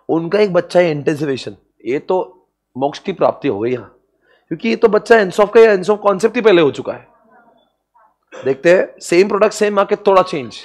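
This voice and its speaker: A man giving a classroom lecture on business strategy to students, playful and joking, often breaking into laughter. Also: a little high. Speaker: commerce exam lecturer.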